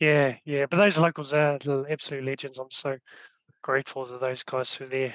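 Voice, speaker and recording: Delivered at a fairly quick pace in a monotone, flat intonation, the voice sounds dry and close with no echo. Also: man. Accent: New Zealand. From New Zealand, Auckland. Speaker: family traveller. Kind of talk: casual interview.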